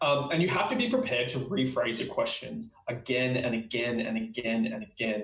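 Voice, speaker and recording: Over noticeable background noise, a man with an Australian accent speaks at medium pitch and a moderate pace, his intonation lively. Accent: Australian, fairly broad. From Queensland, Australia. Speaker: researcher. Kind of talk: conference talk. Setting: online conference presentation.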